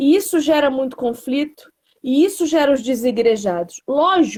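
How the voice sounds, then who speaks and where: With a Rio de Janeiro accent, a woman speaks at a moderate pace and a high pitch. Her intonation is lively and her tone dark and mellow. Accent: Carioca Brazilian Portuguese. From Rio de Janeiro, Brazil. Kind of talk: casual conversation on faith. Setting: Instagram live stream.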